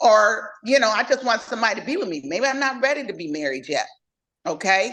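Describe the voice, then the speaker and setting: A woman with a fairly high pitch and a bright, sharp tone uses vocal fry while her pitch swings very widely. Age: 60s. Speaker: podcast co-host, widow dating again. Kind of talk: casual chat.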